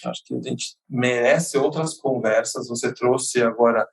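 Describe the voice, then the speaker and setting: A man's voice: mid-range voice, a little slow, gravelly, husky. A man hosting a podcast interview in a casual, effusive way that often repeats words. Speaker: podcast host.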